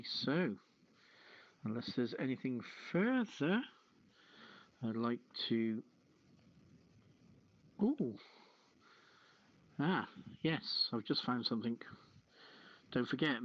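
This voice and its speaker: A man hosting a casual live show, chatting and reading items in a halting, jokey manner. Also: mid-range voice. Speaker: radio show host. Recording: dull, lo-fi audio.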